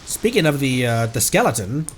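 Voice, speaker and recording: A man's voice: medium pitch, very animated, moderate pace, a little hiss or hum. A man giving casual, playful commentary on a game livestream. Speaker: streamer. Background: game music.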